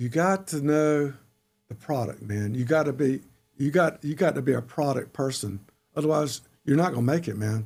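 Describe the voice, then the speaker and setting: Moderate pacing and ordinary pitch variation in a plain, everyday voice, a man's, pitched fairly high. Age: 60s. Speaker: surf shop owner. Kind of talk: casual interview conversation.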